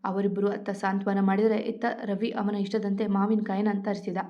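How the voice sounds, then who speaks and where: A woman storyteller narrating a romance story in a steady read-aloud way. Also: mid-range voice, normal speed. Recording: dull lo-fi audio.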